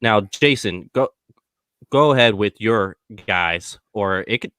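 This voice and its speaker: A man hosting a podcast from an upstairs room on a laptop, chatty and relaxed as he hands the floor to others. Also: fairly low pitch, slow pace, clean tone, no echo. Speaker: podcast host.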